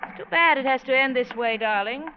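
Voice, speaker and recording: A woman's voice: high-pitched, brisk, a little hiss or hum, close to an everyday voice. Female actor as villainous woman doctor, cool and commanding, precise formal diction, vintage radio melodrama, muffled old recording. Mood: cold, menacing. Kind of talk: 1940s radio acting.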